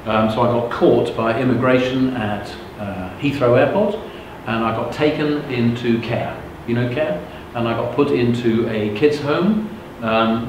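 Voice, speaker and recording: A middle-aged English motivational speaker, a native Russian speaker with a mid-range voice, tells his life story to a live audience. He's frank and conversational, pausing now and then to check people are following. The recording has strong echo and background noise.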